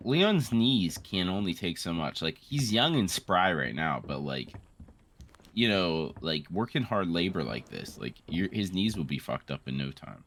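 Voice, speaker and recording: Man, late twenties, low bright voice, crude rambling jokes, casual game commentary, background noise. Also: unhurried. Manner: crude, rambling, animated joking. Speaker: co-host of a gaming series.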